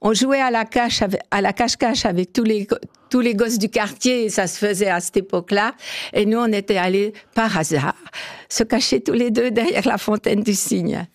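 A woman in her seventies from Switzerland, answering a radio interviewer in a hesitant, halting way. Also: mid-range voice. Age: 70s. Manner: hesitant, halting, with many restarts. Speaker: interview guest.

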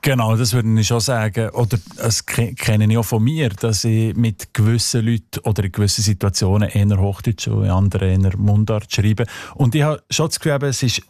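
A man with a Swiss German Sensler accent, a dialect expert talking thoughtfully on radio and pausing often to search for words. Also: fairly low pitch, steady tone, a little mellow, no room sound, studio quality. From Switzerland. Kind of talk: relaxed radio conversation. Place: radio studio.

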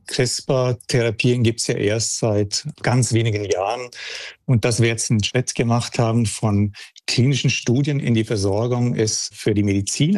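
A man who heads a medical institute, calmly explaining a therapy in a radio interview. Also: lowish voice, dry recording, studio quality. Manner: explanatory, calm.

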